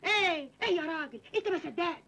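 An actress playing a shrill, grumbling wife who nags and complains in a comedy film. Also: female voice, quick pace, sharp tone, full character voice. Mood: nagging.

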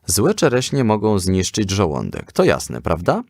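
A man voicing a calm, firm, moralizing mother in a children's story. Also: lowish voice, a little slow, gravelly, no room sound, studio quality, heavily acted. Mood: admonishing.

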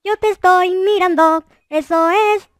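A man voicing a silly, childish, excitable noob boy from a Minecraft roleplay, with goofy, exaggerated delivery. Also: extremely high pitch. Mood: goofy, excited. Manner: exaggerated, goofy, dramatic, drawn-out exclamations. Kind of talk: roleplay gameplay commentary.

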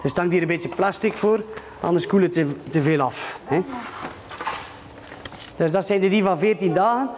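A man's voice: high-pitched, moderate pace, pauses often, darkish tone, slight background noise. A middle-aged man with a Flemish accent, a farmer explaining things on a guided tour in a chatty way, tagging sentences with little fillers. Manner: chatty, many "hè" and "voilà" tags. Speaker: ostrich farmer giving a tour. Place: farm sheds and outdoor pens.

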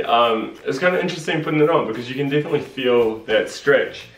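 A man in his thirties giving a casual, chatty product review in a living room, with lots of fillers. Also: fairly low pitch. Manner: chatty, relaxed, many fillers. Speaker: vlogger. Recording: echoey room.

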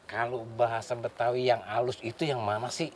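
A man's voice: medium pitch, level tone, a little fast, a loud crowd. A man in a casual talk-show chat who asks curious questions about the language.

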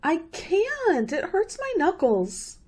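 Actress as a high, animated, anxious college girl. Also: slow pace, full character voice. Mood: nervous. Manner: hesitant, stammering, easily startled. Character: anxious, timid young female college student. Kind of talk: radio play acting.

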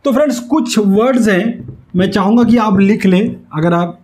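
A man teaches in a high, soft-edged voice. He explains things step by step as an instructor does, going back over key phrases so they stick. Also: normal speed. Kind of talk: instructional whiteboard lesson. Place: small indoor room with whiteboard. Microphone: lapel mic.

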